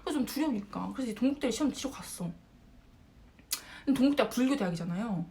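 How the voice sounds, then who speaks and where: A young woman with a fairly high voice chats through a personal story in a casual vlog. She acts out each side of the conversation and laughs along as she talks. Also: quick pace, a little hiss or hum. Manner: animated, acts out quoted dialogue, frequent laughter. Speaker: vlogger.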